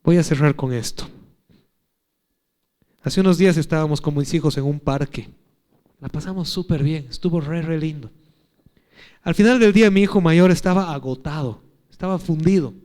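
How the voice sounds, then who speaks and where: A pastor in his thirties preaches with a somewhat high-pitched voice, earnest and personal. He swings between emphatic, raised phrases and soft, near-hushed ones. He tells stories in a conversational way and asks his listeners questions directly. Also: normal speed, pauses often. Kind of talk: sermon.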